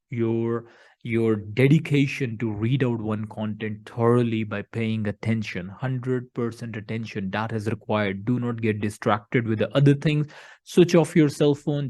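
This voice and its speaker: A man's voice: mid-range voice, a little mellow. A middle-aged man, a tutor giving direct step-by-step coaching in an instructional talk to camera. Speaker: English test tutor.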